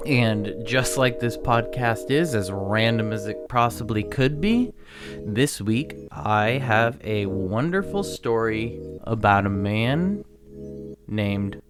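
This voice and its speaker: Low-voiced young man telling a story. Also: expressive, slow pace, music in the background. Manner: reads facts aloud with stumbles, laughs at his own pronunciations. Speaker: podcast co-host. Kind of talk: casual storytelling chat.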